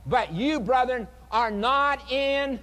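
A man with a high-pitched voice preaches an earnest revival sermon, drawing out words with dramatic pauses and dropping to a hush before rising again. His voice rings through a large hall with a long reverb tail. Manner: dramatic pauses, pleading and earnest, swings loud and soft. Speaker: evangelist preacher.

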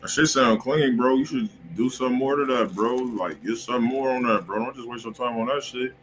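A man's voice: medium pitch, a little fast, fairly bright tone. An American man, around his thirties, chatting casually and slangily as the host of a livestreamed music review show. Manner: slangy, informal. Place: indoor room at home, on a livestream. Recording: noisy room webcam stream.

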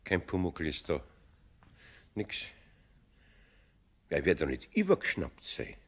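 An actor playing a kindly middle-aged Bavarian carpenter in a radio play, muttering to himself and bursting into exclamations. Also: male voice, extremely low pitch, huge pitch swings, measured pace, husky, full character voice. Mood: anxious, wistful.

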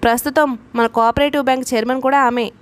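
A woman's voice: high-pitched, fairly even intonation, quick pace, lightly acted. A woman voicing a matter-of-fact male associate while reading a novel aloud, in a plain, informative tone.

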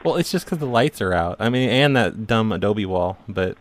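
A man making a prank phone call, talking in a deadpan, hesitant way. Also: fairly low pitch, moderate pace. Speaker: prank caller.

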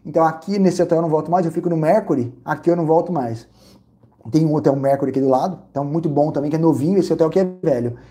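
A Brazilian man vlogging casually, telling an animated, repetitive story with lots of exclamations. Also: on the high side, very fast. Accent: Brazilian Portuguese. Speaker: vlogger reviewing credit card perks and hotels.

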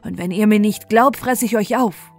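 A woman's voice: medium pitch, normal speed, breathy edge. A woman voicing a blustering, indignant male wolf in a fairy tale, growling and menacing, with music behind. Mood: angry, threatening. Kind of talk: fairy tale storybook reading.

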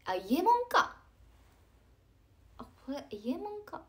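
Young woman, 20s, slightly high voice, casual live-stream chatter with soft asides. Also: big pitch swings, a little slow. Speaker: idol livestreamer reading chat comments.

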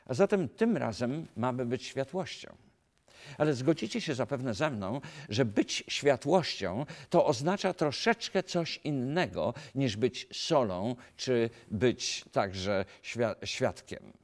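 A middle-aged male pastor from Poland preaches straight to the camera, asking questions and answering them himself. His voice rises and falls with a very lively, sing-song intonation at a moderate middle pitch. He is recorded close on a lapel mic in a quiet studio. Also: slow. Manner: earnest, animated preaching with rhetorical questions and gestures. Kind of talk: filmed sermon talk to camera. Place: dark studio set, indoors.

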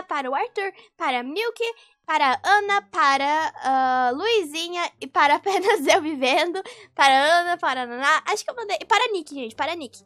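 Excitable bright-voiced young Brazilian gamer girl. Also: very high-pitched. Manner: excitable, repeats words in quick bursts. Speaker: gaming YouTuber. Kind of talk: casual gameplay commentary.

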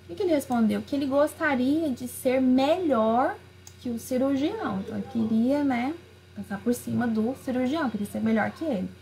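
A woman teacher with a fairly high voice reads worksheet questions aloud and then explains each answer. She talks through them in a relaxed way and fills gaps with small tags. She recorded it as a video lesson over an on-screen page. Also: a little fast, vocal fry. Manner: frequent fillers like "né" and "aí". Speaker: literature teacher.

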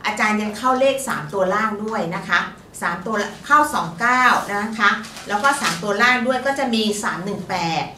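Here a woman of medium pitch talks a little fast with few pauses while co-hosting a fortune-telling show. Her lottery-tip chatter is polite, casual, and full of particles, and the audio is roomy and distant with a faint hiss.

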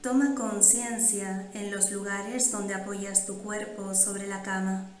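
Slow, even-toned woman guiding meditation. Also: mid-range voice, faint music behind. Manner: measured, calm instructions with long phrasing pauses. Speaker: guided meditation instructor. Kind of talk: slow, soothing guided meditation. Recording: roomy, echoing sound.

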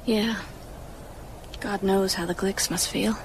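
A woman's voice: medium pitch, fairly even intonation, slow, background noise. Tender, concerned young woman. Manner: soft, gently questioning. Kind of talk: radio drama acting.

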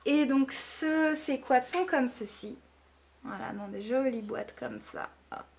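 A woman's voice: sits high, slow, creaky, a little mellow. A woman vlogging casually, showing off jewelry with gushing enthusiasm and lots of fillers. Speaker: beauty vlogger. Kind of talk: casual show-and-tell.

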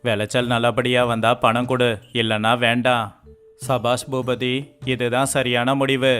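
Flat-voiced man reading story dialogue. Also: mid-range voice, unhurried, clear, resonant tone. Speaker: voice actor for all male figures. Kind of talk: scripted dialogue of an animated moral story. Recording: faint music underneath.

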